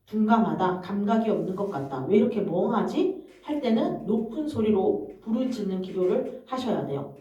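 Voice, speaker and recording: A woman evangelist speaks in a calm, teaching manner, reading a passage and then coaching her congregation through it. Her voice is mellow and somewhat dark. It comes from well off the mic in a very echoey church hall, with a dull, muffled sound. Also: medium pitch, far from the mic. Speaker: evangelist leading prayer. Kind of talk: reading aloud and explaining in a church prayer session.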